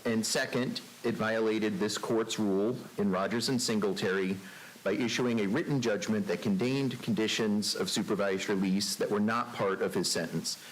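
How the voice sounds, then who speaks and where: A man's voice: on the low side, steady tone, normal speed, low-quality recording. A man speaking as a lawyer in formal courtroom argument, courteous, articulate and structured. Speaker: appellate defense lawyer. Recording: faint hiss.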